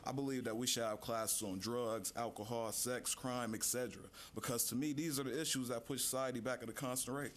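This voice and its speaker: A teenage boy, a high school senior, giving a measured prepared speech as a student speaker. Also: fairly even intonation. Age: teens. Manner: measured, reads list items slowly. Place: city hall chamber.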